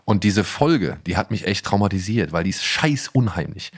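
Lower-voiced man in casual, colloquial chat. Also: sing-song, normal speed. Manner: colloquial, searching for words. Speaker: podcast co-host. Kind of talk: casual chat, telling anecdotes.

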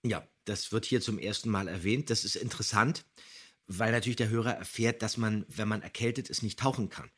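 Slightly husky man, matter-of-fact podcast talk. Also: on the low side, fairly quick, fairly bright tone. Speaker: podcast co-host who recaps and critiques. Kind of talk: casual explanatory chat.

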